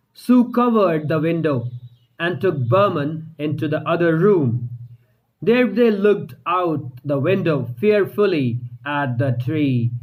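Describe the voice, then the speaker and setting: Slow, measured male story reader. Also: a little high, poor audio. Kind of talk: scripted narration.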